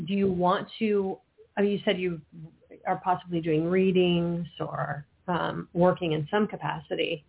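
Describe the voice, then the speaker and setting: A woman's voice: lowish voice, little pitch movement, unhurried, vocal fry, husky. A woman co-hosting a psychic radio show, interjecting with practical questions. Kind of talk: radio call-in chat. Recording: tinny phone line with faint hiss.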